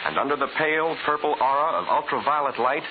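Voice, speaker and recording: A man's voice: medium pitch, expressive, fast talker. A man announcing and narrating in a formal, emphatic, dramatic 1940s radio style. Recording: hissy, tinny 1940s radio recording.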